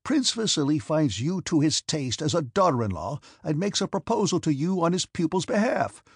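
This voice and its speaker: A man reading the part of an irascible old prince who is a domineering father, with a sharp, scornful, shouting manner. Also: a little high, sing-song, moderate pace, creaky, slightly rough, dry recording, studio quality, voice pushed up, heavily acted. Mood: angry shouting. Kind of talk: audiobook character reading.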